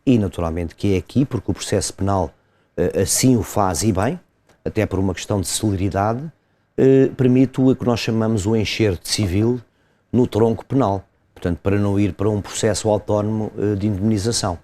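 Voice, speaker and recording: A man, a lawyer explaining a legal case step by step in an interview, pausing and hesitating often. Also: fairly low pitch, dark tone, slight background noise. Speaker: lawyer commenting as guest.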